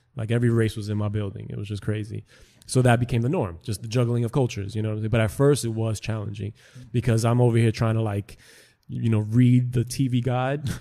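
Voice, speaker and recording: In a New York accent, a man speaks at a medium pitch with a dark, mellow tone. His intonation stays fairly even. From Queens, New York. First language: Spanish. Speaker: podcast guest. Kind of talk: interview. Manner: casual, many fillers and repetitions.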